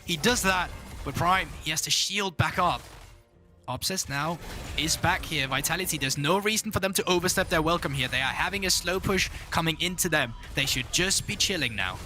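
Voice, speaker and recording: A man casting a competitive video game match, giving rapid, excitable analysis that jumps up in pitch on big plays. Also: soft background music. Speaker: esports caster.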